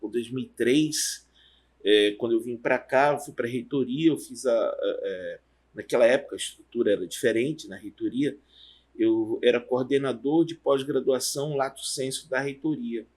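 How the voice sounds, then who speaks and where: Husky-voiced Amazonian professor, halting. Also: male voice, medium pitch, darkish tone. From Amazonas, Brazil. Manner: rambling, halting storytelling with restarts. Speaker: university professor, guest. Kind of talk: relaxed career interview.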